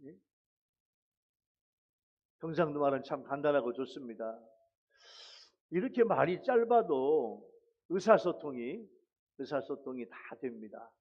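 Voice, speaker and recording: A man's voice: mid-range voice, sing-song, a little slow, muffled recording. A pastor preaching a sermon in a church sanctuary, exhorting his congregation, repeating phrases and calling out hallelujah.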